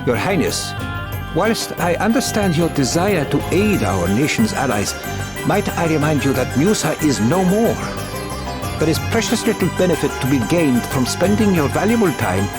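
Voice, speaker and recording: A man's voice: on the high side, very animated, normal speed. A man playing a formal, officious royal retainer in a video game, insistent and pompous. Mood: stern, insistent. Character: fussy, officious royal retainer, stern and deferential. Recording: loud music behind the voice.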